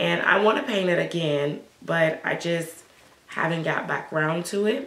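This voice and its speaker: Amid noticeable background noise and audible room echo, a woman speaks with lively intonation. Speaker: doll collector and video creator. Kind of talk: casual vlog chat. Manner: casual, filler-heavy.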